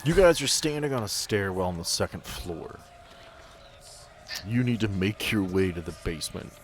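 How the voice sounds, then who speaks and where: A man's voice: lowish voice, animated, normal speed, a little hiss or hum. A man narrating and running a tabletop game as game master, explaining rules at length.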